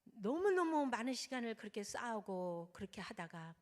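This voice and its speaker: Speaking at a moderate pace in a fairly high voice, this woman pastor brings a sermon testimony to life by acting out the characters' prayers and dialogue. The recording carries the reverb of a church hall sanctuary.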